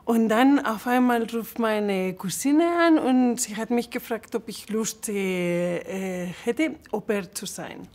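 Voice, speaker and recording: A woman in her forties from Spain speaks German with a Spanish accent, slowly and unhurriedly. She hesitates often, fills pauses and laughs easily, in a relaxed interview. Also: fairly high pitch. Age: 40s. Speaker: interview guest. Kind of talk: casual interview, non-native German.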